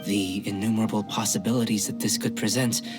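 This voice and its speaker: An actor playing a calm, curious young male alchemist in a video game, speaking formally and precisely. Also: fairly low pitch, brisk, natural voice. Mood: thoughtful. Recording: game music behind the voice.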